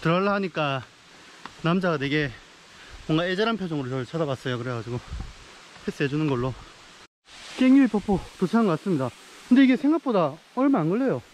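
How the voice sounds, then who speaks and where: A young man talks to a camera held at arm's length, casual and upbeat, his voice sitting a little high for a man. He records outdoors by a river, and a faint hum of outdoor ambience sits behind him. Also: quick pace, pauses often, poor audio. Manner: chatty, upbeat, gets excited outdoors. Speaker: travel vlogger. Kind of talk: casual travel vlog. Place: outdoors by a river and a jungle waterfall.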